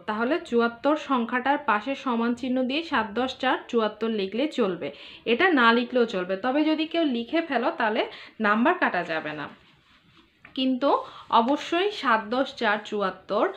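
A young woman teaching a kindergarten math class online, patiently going over the exam syllabus and repeating numbers slowly and clearly. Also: a little high, fairly bright tone.

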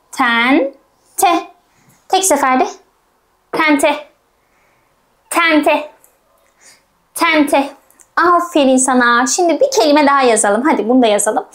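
Bayan öğretmen, yavaş ve sabırlı heceleme. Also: female voice, high-pitched. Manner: patient, sounds out syllables and repeats them many times; gentle, coaxing, talks straight to the child. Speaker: primary school teacher. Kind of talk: slow phonics reading lesson for first graders.

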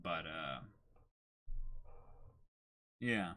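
A man's voice: extremely low pitch, lively intonation, drawn-out words, sharp tone. A man in his twenties chatting casually as co-host of a livestream. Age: 20s. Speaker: streamer and co-host. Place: small room, indoors.

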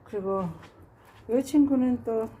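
A woman narrates a casual tour of the plants on her home balcony, lingering over each geranium's name, repeating it fondly and sighing with delight at its prettiness. She speaks at a very leisurely pace in a mellow, slightly high voice. The phone recording carries a faint background hiss.

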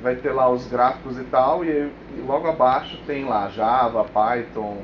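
A man's voice: medium pitch, moderate pace. Male tech presenter, Brazilian accent, colloquial and informal, checks in often; roomy, noisy recording. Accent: Brazilian Portuguese. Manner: colloquial, frequent check-in tags. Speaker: developer giving a technical talk. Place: indoor meetup room with whiteboard. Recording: echoey room, dull sound, clear noise.

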